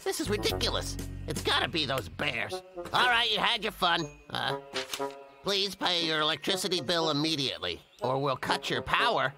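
A man playing a scheming, excitable, hapless cartoon logger who mutters to himself and exclaims, with a creaky voice. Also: on the high side, moderate pace. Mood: grumbling, puzzled. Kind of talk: exaggerated cartoon dub acting. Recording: music behind the voice.

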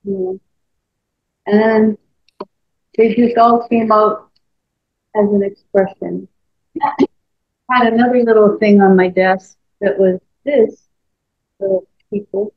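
A middle-aged woman casually sharing on a video call, at a medium pitch. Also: animated, slow pace, creaky, long pauses. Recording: dull video-call audio.

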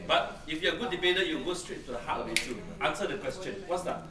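A middle-aged man from Singapore, giving a brisk classroom lecture on debating, teasing students and repeating his key points. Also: fairly high pitch, a loud crowd. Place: large brick-walled seminar room. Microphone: far camera, no close mic. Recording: roomy, distant camera audio with room noise.

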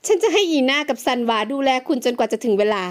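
A woman reading the part of a haughty head maid in an audio novel, speaking in a cold, flat, formal way. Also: sits high, quick pace.

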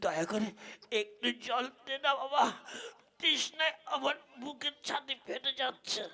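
A woman's voice: high-pitched, a little slow, creaky, bright, forceful tone, heavily acted. A woman voicing a parched, half-dead man who stammers and pleads, in a comic puppet play. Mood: weak, pleading. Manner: stammering, whimpering, repeats pleas.

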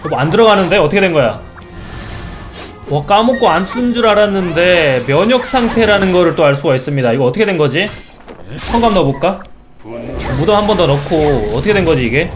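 A man's voice: sits high, expressive, fairly quick. A man giving casual mobile game commentary as a streamer, reacting aloud and asking himself questions as he plays. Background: game music.

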